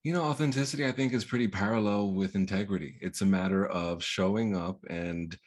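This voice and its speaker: A man from New York with a deep baritone, radio-like voice, speaking as a guest in a casual podcast interview, easygoing and reflective, now and then dropping in Spanish words. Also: a little fast, darkish tone. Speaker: podcast guest, sales executive.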